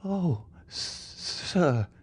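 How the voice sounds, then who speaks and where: A man reading aloud, voicing a terrified young noblewoman who pleads in a high, trembling voice. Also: very animated, very slow, husky, exaggerated voice. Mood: pleading.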